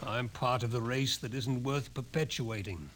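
An actor playing a wry, hard-drinking scientist, sardonic, in a 1950s radio drama. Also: male voice, medium pitch, moderate pace, fairly bright tone, a little hiss or hum, natural voice.

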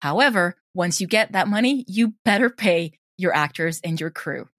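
A woman's voice: lowish voice, expressive, normal speed, a bit bright. A woman talking casually as an interview guest about her creative work, animatedly voicing imagined quotes as she goes.

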